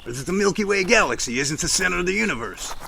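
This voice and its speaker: Man playing an earnest, gravelly Bigfoot investigator. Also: sits high, lively intonation, bright, forceful tone, a little hiss or hum, full character voice. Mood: earnest, pondering. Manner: measured, explanatory, speech-making. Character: earnest, self-assured male Bigfoot investigator, professorial. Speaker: actor in a Sasquatch audio drama. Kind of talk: amateur audio drama dialogue.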